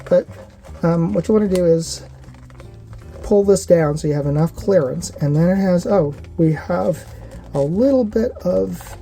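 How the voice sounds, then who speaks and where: A man with a slightly high voice talks through a product review in a casual, explanatory way. He speaks like an independent channel host showing gear hands-on, with some music behind him. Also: measured pace, creaky, mellow.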